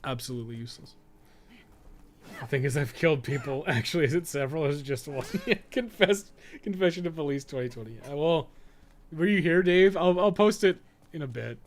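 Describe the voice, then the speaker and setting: A man's voice: on the high side, animated, brisk. A man giving casual, rambling, sweary gameplay commentary as a streamer. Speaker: game streamer and podcast co-host.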